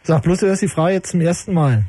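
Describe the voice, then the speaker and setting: A man hosts a late-night call-in radio show from his studio, needling his callers with dry, ironic jokes. His voice has a mellow, darker tone. It sits a little higher than most men's. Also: fast, dry recording.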